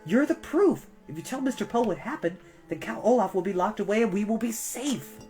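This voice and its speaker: A woman voicing an earnest boy in a children's storybook, reasoning in a deliberate, persuasive way. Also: medium pitch, animated, dark tone, faint music behind, voice pushed up, close to an everyday voice. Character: earnest, reasoning boy, bookish middle brother.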